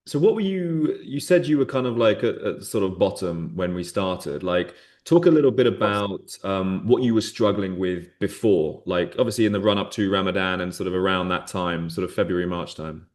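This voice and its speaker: A man, a fitness coach, interviewing his client in a relaxed, conversational way, full of "sort of" and "like". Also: low-pitched, moderate pace, few pauses. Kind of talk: casual interview questions.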